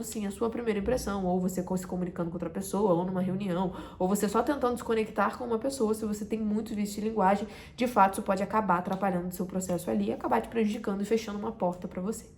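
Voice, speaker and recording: A woman with a Carioca accent from Rio de Janeiro gives a direct-to-camera lesson as a communication coach, speaking emphatically and dropping to a soft voice to make a point. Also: mid-range voice. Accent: Carioca Brazilian Portuguese. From Rio de Janeiro, Brazil. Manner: emphatic, drops to a soft voice to make a point, then rises again. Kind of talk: direct-to-camera teaching talk.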